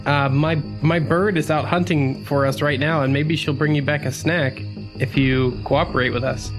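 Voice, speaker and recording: A man's voice: on the high side, steady tone, moderate pace, music in the background. A man playing a tabletop game, improvising casually in character with a hesitant, good-humored manner.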